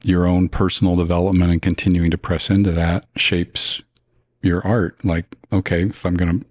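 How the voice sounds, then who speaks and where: Deep-voiced American man, reflective. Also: level tone, moderate pace, a little mellow, no echo, clean studio sound. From United States. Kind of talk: reflective casual conversation.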